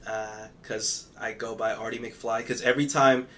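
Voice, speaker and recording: A man's voice: mid-range voice, steady tone, moderate pace, fairly bright tone. A young man chatting casually as a podcast guest, rambling with fillers and laughing often.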